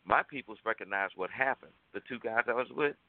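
A man co-hosting a call-in talk show, telling a personal story in a lively, colloquial way and acting out the lines he quotes. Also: mid-range voice, a little fast, no echo. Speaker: radio talk show co-host. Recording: tinny phone-line sound, dry.

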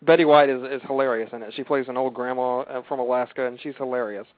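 A man's voice: medium pitch, fairly even intonation, fast talker, no room sound. A man hosting a radio talk show, chatting and interviewing in an effusive, complimentary way. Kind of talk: casual chat and celebrity interview. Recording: dry phone-like line.

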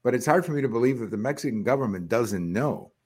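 Husky, animated male talk host. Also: mid-range voice, fast. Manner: animated, incredulous questioning. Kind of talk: casual political talk.

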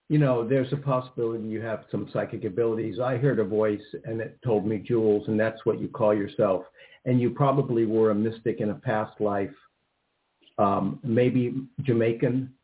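A man's voice: lowish voice, steady tone, moderate pace. A man hosting a psychic call-in radio show, giving rambling, cautious advice full of fillers. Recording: tinny phone-like line.

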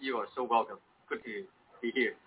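A young man from Hong Kong with a Cantonese accent, telling his story as an interview guest, halting and restarting often. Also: mid-range voice, steady tone, husky. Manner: halting, many restarts and repeated words. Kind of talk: personal testimony in an interview. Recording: tinny phone-like sound with faint noise.

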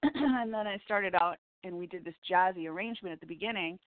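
A woman hosting a spiritual radio show, her voice scratchy and hoarse, chatting in a rambling, heartfelt way with little laughs. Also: lowish voice, a little fast, no room sound. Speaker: radio show host and psychic reader. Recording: tinny phone line, dry.

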